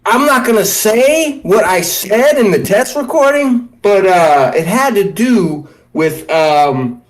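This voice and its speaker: A man with a high-pitched voice rants heatedly on a casual podcast. He swears freely and vents as co-host. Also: animated, slow pace. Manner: heated, profane ranting.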